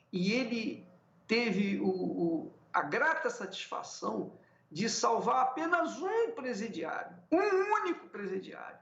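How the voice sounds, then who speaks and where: A man's voice: sits high, gravelly, fairly bright tone. A man, a bishop, preaching emphatically in a televised sermon and repeating his key phrases. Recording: echoey, dull lo-fi sound.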